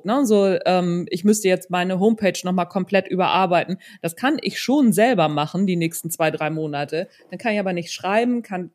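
A woman's voice: lowish voice, darkish tone. A woman hosting a casual interview, chatty and affirming, often ending phrases with a tag question. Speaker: podcast host, interviewer.

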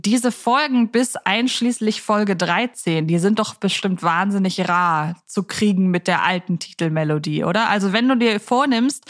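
A woman chatting casually as a podcast host. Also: mid-range voice.

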